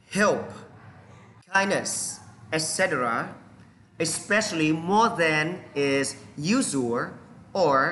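A man with a Vietnamese accent and a slightly high, bright, forceful voice teaches English vocabulary, with slight background noise. In this bilingual lesson he drills pronunciation and switches between English and Vietnamese.

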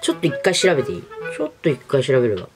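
Young woman chatting, very lively pitch. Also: racing. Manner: chatty, animated, informal. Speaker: vlogger. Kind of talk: casual chat to camera, product review. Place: small furnished room indoors. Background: background music.

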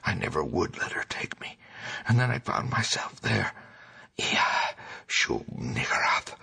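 A man voicing a frenzied, terrified madman in hoarse, half-incoherent outbursts for a horror audiobook. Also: medium pitch, bright, forceful tone, voice pushed up, exaggerated voice. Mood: terrified raving. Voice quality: hoarse, breathy rasp breaking into shrieks. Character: frenzied male madman raving in terror of unholy horrors. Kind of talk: dramatic horror audiobook reading.

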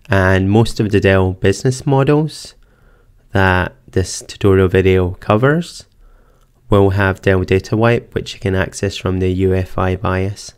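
A man narrating a screen-recorded computer tutorial, calmly explaining each step in order. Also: low-pitched, smooth. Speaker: tech tutorial presenter. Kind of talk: screen-recorded software walkthrough. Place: voice-over for screen capture.

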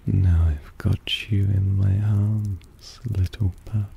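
A man playing a possessive, softly dominant vampire in an intimate ASMR roleplay, breathy and often half-whispered, teasing and coaxing. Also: deep voice, steady tone, slow, highs cut off, a little hiss or hum, heavily acted. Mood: tender, possessive. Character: possessive, softly dominant male vampire doting on his pet.

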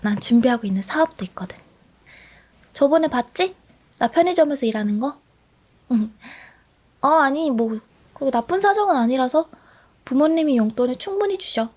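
A woman's voice: sits high, lively intonation, darkish tone. A young woman voicing a bold, chatty teenage schoolgirl at the bottom of her class, teasing and asking question after question in a whispered role-play. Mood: playful. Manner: teasing, talkative, rapid questions.

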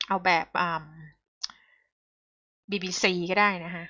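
A woman's voice: fairly low pitch, little pitch movement, slow, bright, forceful tone, highs cut off. A woman commenting on the news in a talk show, polite at first and growing heated and emphatic.

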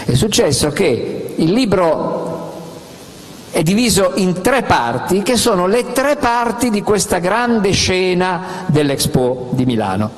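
A middle-aged man presenting his book on a festival stage into a handheld microphone, animated and gesturing, with frequent fillers. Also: high voice, slow pace, in a large hall. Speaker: author at a book talk. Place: outdoor festival stage with audience.

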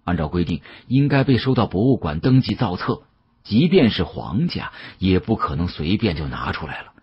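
A man narrating an audiobook as a dramatic storyteller, with an expressive, conversational delivery. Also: low-pitched, normal speed, husky, highs cut off.

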